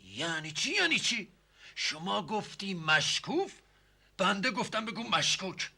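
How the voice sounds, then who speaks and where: A stern, pompous judge. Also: male voice, high voice, animated, gravelly, bright, forceful tone, breathy edge, exaggerated voice. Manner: formal, impatient, commanding. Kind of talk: TV period comedy drama.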